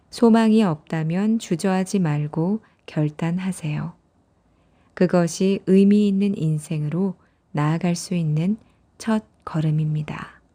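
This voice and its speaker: A woman speaks quietly at a very slow pace with long, frequent pauses, her fairly low voice dark, mellow, somewhat breathy and soothing. Her pitch varies in an ordinary way, on a very clean recording with a silent background. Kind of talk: audiobook reading. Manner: quiet, soothing.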